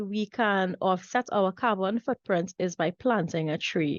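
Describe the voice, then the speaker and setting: A woman with a strong Trinidadian accent, a fairly slow pace and ordinary pitch variation. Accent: thick Trinidadian. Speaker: online course instructor. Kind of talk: online class lecture. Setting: video call.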